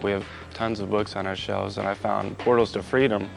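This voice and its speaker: Gravelly, low-pitched young man, casual. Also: flat delivery, brisk, faint music behind, rough recording. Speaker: interviewee. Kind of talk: casual personal testimony.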